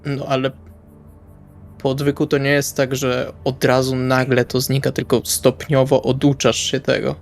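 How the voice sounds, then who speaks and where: A man's voice: medium pitch, flat delivery, moderate pace, creaky. A man playing a tabletop role-playing game, improvising dialogue in a casual, wry, colloquial way. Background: music.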